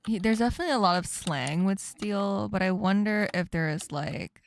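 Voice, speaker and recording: A woman's voice: medium pitch, a little fast, vocal fry. A woman with an Asian American accent, hosting a casual chat with guests and laughing often. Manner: giggly, laughs often, lively and playful. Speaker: streamer host.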